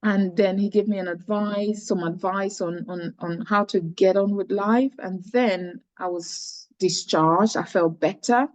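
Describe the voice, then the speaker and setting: A woman's voice: medium pitch, fairly even intonation, measured pace, few pauses, dry recording. Earnest woman telling her story. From Cameroon. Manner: earnest, storytelling with many restarts. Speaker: charity founder, guest. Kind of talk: personal story in interview.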